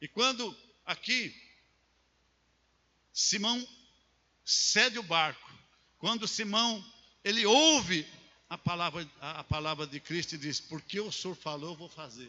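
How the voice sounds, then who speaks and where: Lively intonation at a fairly slow pace, with big swings in loudness and long, frequent pauses. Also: man, high pitch for a man. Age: 70s. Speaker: pastor. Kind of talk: sermon.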